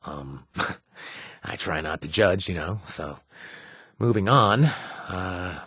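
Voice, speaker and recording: An actor playing a wry, self-deprecating former raider turned bartender in a video game, halting with fillers in a husky voice. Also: male voice, deep voice, expressive, fairly bright tone, dry recording, studio quality, exaggerated voice. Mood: easygoing, wry. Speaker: game companion character. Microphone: studio mic.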